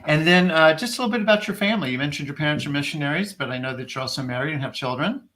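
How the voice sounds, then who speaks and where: A man's voice: a little high, lively intonation, very fast, bright, forceful tone. A man hosting a casual interview, upbeat and encouraging as he asks his guest questions. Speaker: host.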